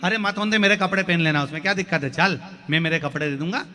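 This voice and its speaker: A man's voice: sits high, fast talker, sharp tone. A man voicing a cheerful, talkative friend in a story sermon, coaxing and chatty. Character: cheerful man who lends his pajama, talkative. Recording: long hall reverb.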